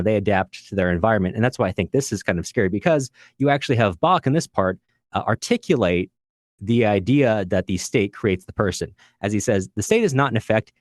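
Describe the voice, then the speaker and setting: Low-voiced man, halting literary podcast talk. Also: no echo, clean studio sound. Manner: earnest, discursive, halting with self-corrections. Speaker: podcast co-host. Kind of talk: unscripted literary discussion.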